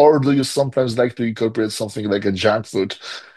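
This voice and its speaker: A man with a non-native accent. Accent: non-native English speaker. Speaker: podcast host. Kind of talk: podcast interview. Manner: halting.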